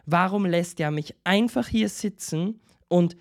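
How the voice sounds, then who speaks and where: Ein Mann mit österreichischem Akzent spielt beim Erzählen einen empörten, selbstgefälligen Gelehrten, der laut klagt und aufschreit. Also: male voice, sits high, unhurried. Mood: indignant. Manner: exclaiming, complaining. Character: indignant male scholar, self-important.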